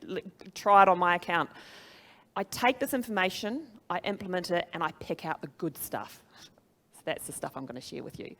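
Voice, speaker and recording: A woman's voice: mid-range voice, a bit bright. A middle-aged woman with a New Zealand accent presenting to a live audience as a business trainer, conversational and emphatic, often putting questions to her listeners. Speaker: social media trainer and speaker.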